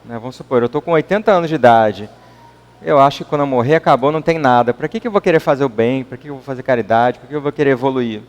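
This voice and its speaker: A man with a Brazilian accent gives an informal talk to a gathering at a spiritist center. His voice is middle-pitched and carries a long reverb from the meeting hall. He speaks conversationally and often checks in with a questioning tag. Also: fast talker, muffled recording. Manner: conversational, keeps adding questioning tags.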